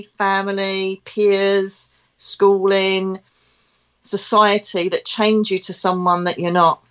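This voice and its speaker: A woman's voice: medium pitch, fairly bright tone. A woman with an Essex accent speaking as a podcast host in a conversational, emphatic spiritual monologue. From Essex, England. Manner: chatty and emphatic, with rhetorical questions. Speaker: podcast host and psychic medium.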